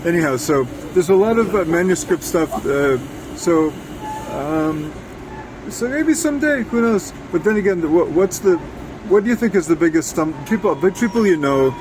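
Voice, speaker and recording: A man interviewing casually in a halting, rambling, digressive way. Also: expressive. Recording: noisy, air conditioning and traffic rumble.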